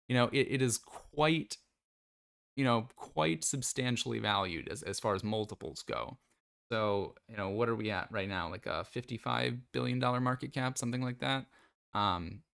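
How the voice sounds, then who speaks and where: A man's voice: mid-range voice, creaky, a bit bright, clean tone. A man giving casual, off-the-cuff commentary on a company's earnings report, thinking aloud with plenty of fillers. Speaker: stock commentator.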